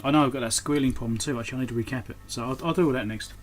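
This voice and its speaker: A man's voice: mid-range voice, very fast. A man giving casual hands-on repair commentary, muttering and thinking aloud as he works at a workbench. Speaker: electronics repairer presenting his repair. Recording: clear background noise.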